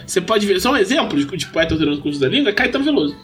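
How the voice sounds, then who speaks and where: A high-voiced man talks casually on a podcast. He tells stories with animation and laughs easily. Faint music sits low in the background. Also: rapid-fire. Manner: animated storyteller, laughs often. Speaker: podcast host. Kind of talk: casual chat. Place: lives in São Paulo.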